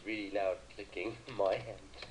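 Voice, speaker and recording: Co-host: British man, low-set voice, dry teasing wit, faint hiss behind. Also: steady tone, normal speed. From Britain. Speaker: co-commentator on a call. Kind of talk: casual chat.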